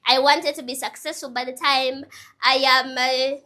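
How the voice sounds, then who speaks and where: A woman's voice: high-pitched, fairly even intonation, normal speed, pushed and bright. A woman in her twenties giving earnest, chatty motivational advice straight to her viewers, repeating her points with casual asides. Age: 20s. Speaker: motivational vlogger. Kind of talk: casual motivational talk to camera.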